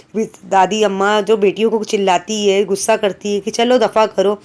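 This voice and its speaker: A woman's voice: mid-range voice, level tone, fairly quick, a little mellow. A woman teacher explaining a school reading lesson to children, repeating herself and correcting her words as she goes.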